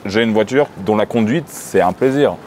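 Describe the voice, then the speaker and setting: Confident young man, low voice. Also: moderate pace, darkish tone, a little hiss or hum. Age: 20s. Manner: confident, persuasive, lecturing. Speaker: vlogger. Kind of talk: casual chat and sales pitch.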